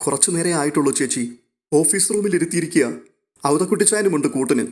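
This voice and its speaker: A man voicing an eager, chatty young girl who reports news excitedly. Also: a little high, fairly quick, natural voice.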